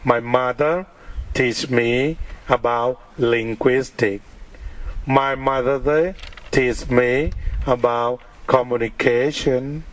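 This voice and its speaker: A Thai-accented man speaks as a Buddhist monk giving a dharma talk. He delivers his words slowly and deliberately, in short measured phrases. His pitch sits in an ordinary middle range for a man. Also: fairly even intonation, rough recording. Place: outdoor park gathering.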